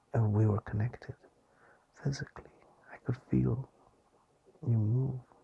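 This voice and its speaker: At a moderate pace with long, frequent pauses, a man talks in a dark, mellow, somewhat breathy tone at a medium pitch, with fairly even intonation and very even loudness. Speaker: personal audio diarist. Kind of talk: personal monologue addressed to a loved one. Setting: quiet countryside house at night. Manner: halting.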